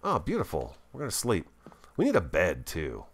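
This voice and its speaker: Male gaming host, low voice with big swings in intonation, swollen tongue, thinks out loud in casual, excitable commentary. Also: moderate pace. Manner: chatty, thinks aloud, easily excited.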